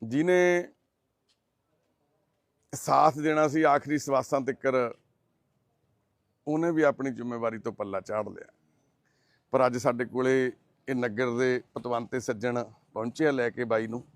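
A middle-aged man, a charity volunteer, making a heartfelt appeal and gently consoling and questioning the people he visits. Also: medium pitch, a little slow, long pauses, dry recording. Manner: earnest, gently consoling, explanatory. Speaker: charity volunteer presenting a case. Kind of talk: heartfelt appeal and on-site interview.

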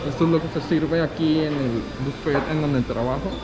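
A young man with a Mexican accent talks casually to his handheld camera, pointing things out as he walks. His voice sits a little high. Loud noise from the restaurant and the street runs under everything he says. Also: normal speed. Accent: Mexican Spanish. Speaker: vlogger. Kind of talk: casual walk-through vlog. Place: buffet restaurant, kitchen and back alley.

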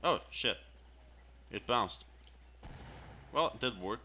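A man talking casually while he plays a shooter, echoing the instructor's words back and reacting as he goes. He speaks slowly, with a sharp, bright edge to his voice, and a faint hiss sits under the recording. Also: mid-range voice, animated. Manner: muttering reactions, repeating in-game lines. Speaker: gameplay video host. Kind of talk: casual gameplay commentary.

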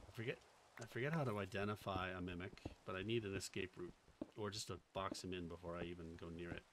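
A man's voice: sits low, quick pace, noisy background. A man with a faint Boston accent, casually thinking aloud and chatting with viewers while streaming a game. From Boston area. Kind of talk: casual live-stream commentary.

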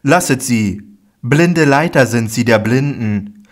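A man's voice: mid-range voice, lively intonation. A man reading a stern preaching teacher. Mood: admonishing. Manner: declaiming, emphatic, slow. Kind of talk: solemn Bible audiobook reading.

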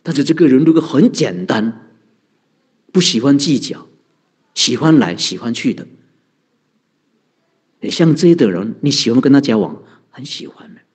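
A man's voice: medium pitch, lively intonation, moderate pace, long pauses, darkish tone, slightly rough. A man, a Buddhist monk giving a conversational dharma talk, asking rhetorical questions and answering them, chuckling often. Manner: chuckles often, heavy use of sentence-end particles.

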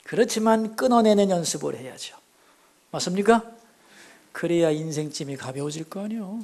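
A middle-aged male pastor preaching a Sunday sermon, asking the congregation questions and swinging between loud exclamations and hushed near-whispers. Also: high voice, animated, moderate pace. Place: church sanctuary.

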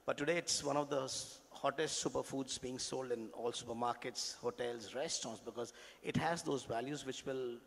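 Emphatic man chef on a panel. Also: mid-range voice. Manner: emphatic, restarts sentences. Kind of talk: panel discussion on stage. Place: large conference stage. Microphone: handheld mic. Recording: long hall reverb.

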